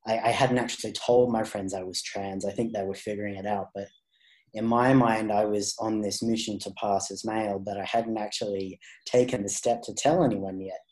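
A man's voice: lowish voice, steady tone, moderate pace, darkish tone, poor audio. A man sharing his personal story as a podcast guest, speaking thoughtfully with frequent restarts and fillers. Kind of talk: candid personal interview.

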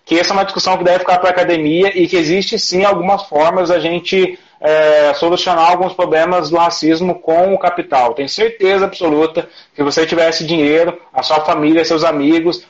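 A man's voice: fairly high pitch, fairly even intonation, fairly quick, few pauses. A man with a Brazilian Portuguese accent, speaking passionately in a conversational discussion, restarting his phrases. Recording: dull lo-fi audio.

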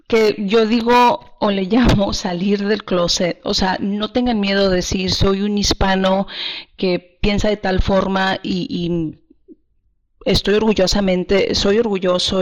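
Woman guest, earnest and emphatic, mid pitch, slightly dull recording. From Texas, USA. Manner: earnest, emphatic, repeats words as she restarts. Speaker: guest, party regional director. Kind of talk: interview answers. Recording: slightly muffled audio.

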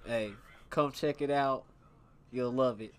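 A man's voice: mid-range voice, slow. Easygoing slangy young man guest. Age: young adult. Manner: easygoing, slangy, short quips. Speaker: podcast guest. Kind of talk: casual podcast chat.

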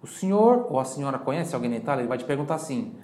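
A Brazilian man with a Brazilian Portuguese accent teaches Italian in a voice of middle pitch. He stretches each phrase out slowly and loudly so learners can repeat it, then talks quickly in his asides. The room has a noticeable echo. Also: sing-song. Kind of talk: language lesson.

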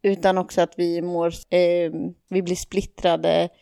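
A woman's voice: lowish voice, little pitch movement, vocal fry, dark tone, clear, resonant tone. A woman co-hosting a podcast, thinking aloud in a casual reflective discussion, hesitant with many fillers and restarts. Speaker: podcast co-host.

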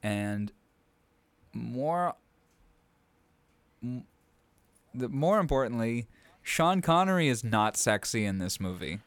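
A young man co-hosting a podcast, blunt and joking in casual chat, quick to tease his partner. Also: mid-range voice, sing-song, no echo. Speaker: podcast co-host.

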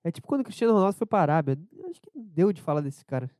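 A man with a southern Brazilian accent rambling casually as a solo podcast host, low-energy and irreverent, hungover and under the weather with a cold. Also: animated, very fast, a little mellow, dry recording, clean studio sound. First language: Portuguese. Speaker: podcast host and amateur comedian.

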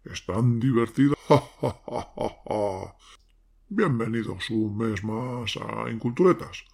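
Wicked ghoulish horror host played by a man: very creaky, husky, theatrical and mocking. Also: mid-range voice, slow pace, a little mellow, full character voice. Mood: gleefully sardonic. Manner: sardonic, theatrical, cackling. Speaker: host presenting horror tales. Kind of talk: theatrical horror anthology introduction.

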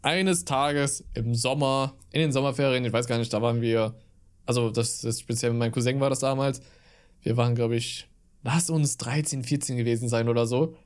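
Rambling German podcast co-host. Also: male voice, medium pitch, fairly even intonation, fairly quick, a little mellow. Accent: Aachen German. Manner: rambling storyteller, many fillers. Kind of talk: casual chat.

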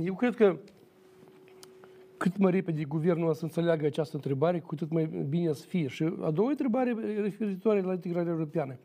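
A man speaking as a guest on a studio political debate, measured and emphatic, repeating his points. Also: on the high side, lively intonation, mellow. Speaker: talk show guest, former judge.

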